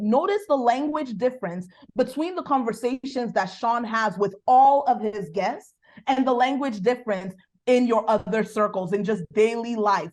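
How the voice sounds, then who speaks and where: Brief: Nigerian-accented woman, business coach guest, animated sermon-like delivery. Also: fairly high pitch. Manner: animated, preacherly, bursts of quick speech. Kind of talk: faith-based coaching conversation.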